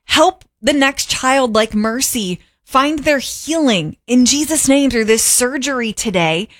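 A woman's voice: sits high, expressive, measured pace, no room sound, studio quality. Earnest woman radio host making an appeal. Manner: earnest, urging listeners to give. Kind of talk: fundraising appeal.

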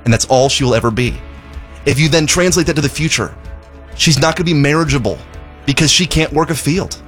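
A man's voice: fairly high pitch, brisk, soft background music. A man from Zimbabwe, a charity spokesman, telling a heartfelt story in a radio fundraising appeal, often repeating words as he goes.

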